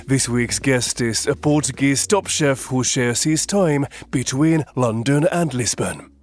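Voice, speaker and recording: A man hosting a podcast, presenting scripted introductions and sign-offs in a measured, even way. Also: medium pitch. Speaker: podcast host.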